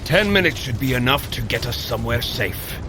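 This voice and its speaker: A man's voice: medium pitch, animated, fairly quick, music in the background, close to an everyday voice. An actor playing a hearty, noble, boastful male Norse god, speaking in grand archaic phrasing in a scripted audio drama. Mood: commanding, urgent.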